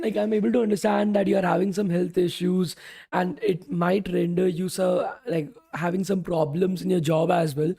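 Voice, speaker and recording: A young man leads a live-streamed coding lesson as a bootcamp instructor, his voice worn out from a day of talking. He chats casually, answers questions from the chat, and keeps saying "okay" and "guys" in a high-pitched, mellow voice with vocal fry.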